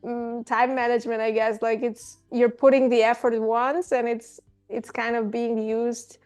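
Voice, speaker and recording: A woman hosting an interview about language learning, friendly and animated, chatting casually with her guest. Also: a little high, a little slow, smooth, faint music behind. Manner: friendly, animated, laughs easily. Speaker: host.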